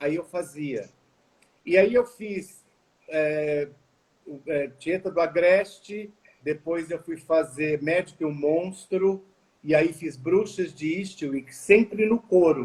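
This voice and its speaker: Very slowly, a man with a high voice for a man talks with ordinary pitch variation and big swings in loudness. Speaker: actor. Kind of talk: live interview.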